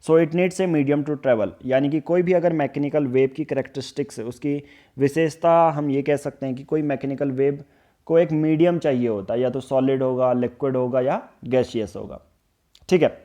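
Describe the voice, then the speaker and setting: A man teaching an exam-prep science lesson with a Hindi accent, explaining step by step, mixing in English phrases, and reading English definitions out slowly. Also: medium pitch, steady tone, dark tone. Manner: mixes English phrases into explanation, repeats "ठीक है" often. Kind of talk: explaining at a whiteboard.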